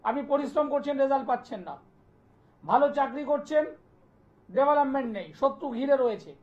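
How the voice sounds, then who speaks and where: A man, an astrologer hosting a live TV call-in show, delivering an insistent, repetitive pitch and taking callers' details. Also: a little fast. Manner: insistent, repetitive sales pitch, listing place names. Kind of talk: live TV promotional talk and phone call-in. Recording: dull lo-fi broadcast sound.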